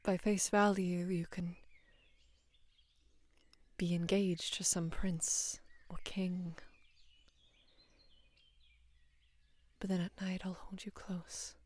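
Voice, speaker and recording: A young woman playing a devoted, lovestruck female knight in an intimate roleplay audio, speaking in a hushed, breathy, halting and earnest way. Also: fairly low pitch, flat delivery, dry recording. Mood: tender, devoted. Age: young adult. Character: devoted female knight, tender, anxious, in love with queen. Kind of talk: intimate roleplay audio, soft acted monologue.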